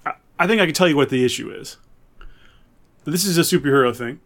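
A man co-hosting a podcast in casual conversation, hedging and softening his opinions as he goes. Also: a little high, animated, quick pace. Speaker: podcast co-host. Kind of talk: casual chat reviewing superhero TV.

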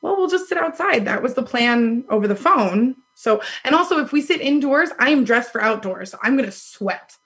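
A woman in her thirties tells a dating story in loose, casual chat. Her voice is husky, loud and a little high. She acts out what people said and laughs often. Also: moderate pace, hardly any pauses. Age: 30s. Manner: animated, laughs often, acts out quoted lines. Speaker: podcast guest telling a dating story.

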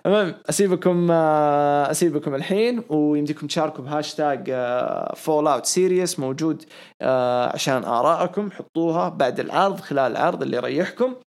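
A hoarse man, hosting a casual podcast and sharing rambling, excitable opinions. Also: fairly high pitch, quick pace. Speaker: podcast host. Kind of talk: casual wrestling podcast chat.

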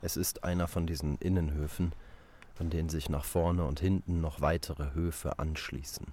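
A man narrating a scripted literary text for an audio play in a deliberate, repetitive manner. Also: a bass voice, steady tone, warm tone, a little hiss or hum.

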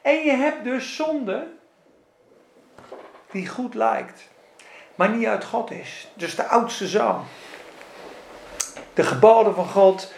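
Male pastor, high gravelly voice, lively colloquial sermon, roomy echo and faint ambience. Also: slow, long pauses, a little hiss or hum.

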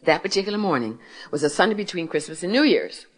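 A woman in her sixties from Philadelphia speaks to a gathered audience about her faith. Her voice sits low and deep. She tells her story warmly paced, asking questions and answering them herself. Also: lively intonation, fast. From Philadelphia, United States. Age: 60s. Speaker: author and speaker. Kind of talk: faith testimony talk to an audience.

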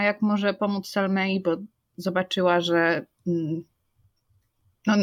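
Female tabletop player, thoughtful, rambling, casual chat. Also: mid-range voice. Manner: thoughtful, rambling, searching for words.

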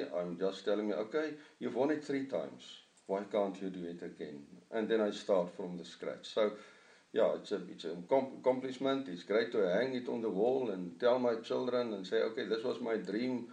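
A middle-aged man with an Afrikaans accent talks about his writing in an interview, pausing often to find his English words. His voice sits a little low. He sounds distant from the mic in an echoey room. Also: lively intonation, warm tone. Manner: halting, searching for English words. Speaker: author.

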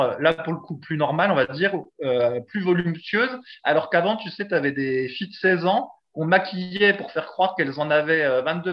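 A man's voice: on the high side, lo-fi sound. A man hosting a podcast in casual chat, talkative with lots of fillers and frequent laughter. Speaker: podcast host.

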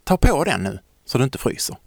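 A man's voice: medium pitch, big pitch swings, gravelly, no echo, studio quality. A man voicing an insistent little child who gives urgent, caring commands.

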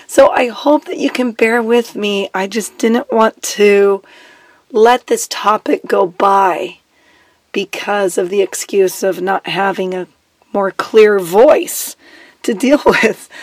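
A woman's voice: medium pitch, darkish tone, dry recording. A woman who has lost her voice, hosting a solo advice podcast as a divorce coach, chatty and direct and laughing between her points.

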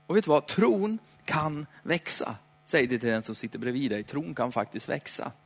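Male preacher, conversational sermon, playful asides, dramatic slow emphasis, long hall reverb. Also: mid-range voice, gravelly, breathy edge. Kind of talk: lively sermon.

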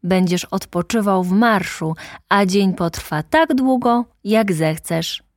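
A woman voicing a gentle, curious little boy prince in a storybook reading, asking earnest questions. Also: mid-range voice, slow, no room sound, clean studio sound, voice pushed up, natural voice.

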